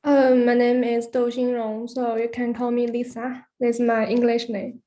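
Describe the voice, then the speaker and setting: A young woman student from China introducing herself in class, soft and hesitant. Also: a little high, completely flat delivery, measured pace.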